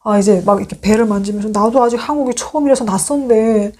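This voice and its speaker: A woman's voice: on the high side, quick pace. A woman in her thirties, originally from North Korea, telling a personal story in a casual monologue and acting out the dialogue as she goes. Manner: animated, acts out quoted dialogue. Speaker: YouTube host sharing her story.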